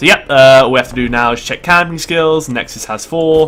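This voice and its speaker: Music plays in the background as a man with an English accent speaks with ordinary pitch variation. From England. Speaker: gaming livestreamer. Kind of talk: gameplay commentary. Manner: fast; occasional stutter when rushing.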